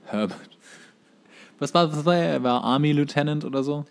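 A man's voice: on the high side, moderate pace, creaky. A man co-hosting a podcast, chatting casually and explaining bits of trivia. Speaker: podcast co-host.

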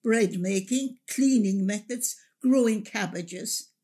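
Woman playing a husky, slow-talking older Irish mother. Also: medium pitch. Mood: fond reminiscing. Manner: slow, reflective, expressive. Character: older Irish mother recalling wartime hardship, wistful and resilient. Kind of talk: radio drama monologue, reminiscing storytelling.

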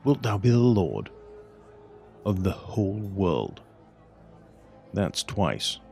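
An actor playing a scheming, bitter pirate captain in a Shakespearean audio drama, speaking with deliberate insistence. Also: male voice, low-pitched, sing-song, vocal fry, darkish tone, soft background music, heavily acted. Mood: insistent, tempting. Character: scheming, bitter pirate captain urging treachery on his lord.

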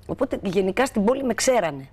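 A woman's voice: mid-range voice, big pitch swings, darkish tone, breathy edge. A woman from Greece, a talk show guest, telling anecdotes dramatically and acting out the people in them. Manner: dramatic, acts out the people in her stories.

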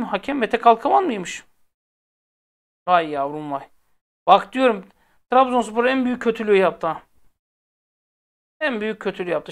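A man's voice: extremely high pitch, creaky. Man, football fan host, heated casual rant, repeats himself for emphasis. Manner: exasperated, repeats phrases for emphasis; speaks directly to viewers, blunt and heated.

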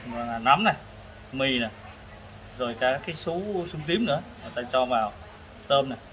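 A man hosts a casual food review from a noisy open-air restaurant. His pitch is average, and he talks haltingly between bites, searching for words and repeating himself. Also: lively intonation, a bit bright. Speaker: food vlog host. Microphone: camera across the table. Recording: noisy eatery ambience, traffic.

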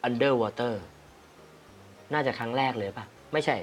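A man's voice: medium pitch, slow pace, slight background noise. A man hosting a casual photography-critique livestream, reading viewer comments aloud and laughing often. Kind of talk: casual live chat reviewing viewer photos.

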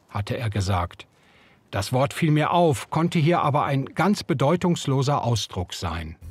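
A man narrating an audio drama in the first person, in a measured storytelling manner. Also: medium pitch, husky.

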